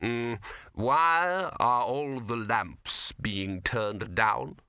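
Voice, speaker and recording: A detached older ruler, as a man puts him on for a storybook, drawling each word slowly in a dry, deadpan way. The voice is bright and recorded close with no room sound. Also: mid-range voice, smooth, dry recording, full character voice. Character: cool, aloof older male city ruler.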